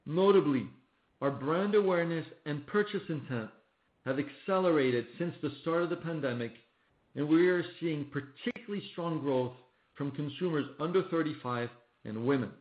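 A man, a company executive, reading a scripted corporate presentation on an earnings call in formal, measured phrasing. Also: a little high. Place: conference call line. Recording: muffled phone-like line, roomy echo.

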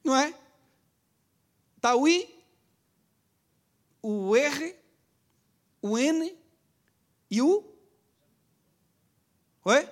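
A man's voice: very high voice, animated, extremely slow, pauses often. A pastor preaching to his congregation in a teaching manner, checking in with short tag questions and having them repeat after him. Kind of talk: sermon.

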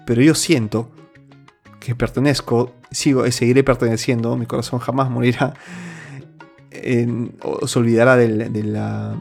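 A man's voice: mid-range voice, little pitch movement, normal speed, gravelly, darkish tone, faint music behind. A man from Peru hosting his own opinion show, speaking earnestly with many restarts and fillers. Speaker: host. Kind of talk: opinion monologue.

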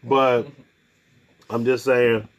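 A man hosting a podcast in casual chat, telling stories in an animated way, laughing often and acting out what people said. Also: mid-range voice, very slow. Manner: animated storyteller, laughs often, acts out quotes. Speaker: podcast host.

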